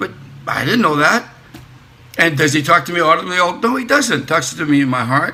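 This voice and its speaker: An American accent, lively intonation and a fairly quick pace, with long, frequent pauses over noticeable background noise. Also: man, high pitch for a man. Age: 70s. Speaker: war veteran. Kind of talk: testimony. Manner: halting.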